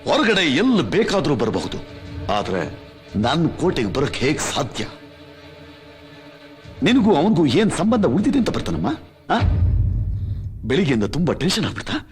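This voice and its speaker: A man's voice: fairly high pitch, huge pitch swings, normal speed, pauses often, soft background music. A middle-aged man playing a powerful, arrogant father who barks orders and boasts of his reach. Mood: boastful soothing. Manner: barking orders, boastful, dismissive. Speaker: supporting actor in a feature film. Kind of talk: dramatic film acting. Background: film score.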